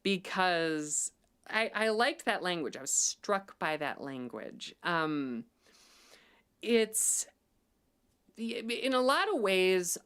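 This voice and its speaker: A woman hosts a relaxed livestream and talks in a chatty way with lots of ums. Her voice sits fairly low and sounds smooth and clear, and she turns firm and emphatic when she pushes a point. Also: slow pace. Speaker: livestream host. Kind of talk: casual livestream chat.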